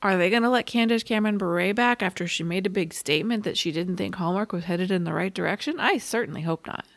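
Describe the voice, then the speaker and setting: Woman podcast co-host, mid-pitched and steady, calm and measured, brisk with numbers. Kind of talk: casual chat.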